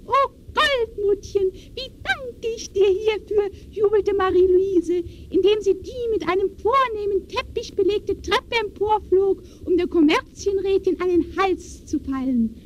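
Affected lady reading a sentimental novel, very high voice, unhurried, old radio play, faint noise. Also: exaggerated voice, poor audio. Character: affected woman reading a gushing serial romance novel aloud. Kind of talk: 1920s German radio play acting.

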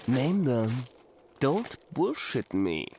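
An actor playing a gruff prison-camp soldier in a radio play, speaking bluntly and slangily in a gravelly voice. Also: male voice, medium pitch, very animated, very slow, a little mellow, a little hiss or hum, heavily acted. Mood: barking, impatient. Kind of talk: radio play dialogue, colloquial English.

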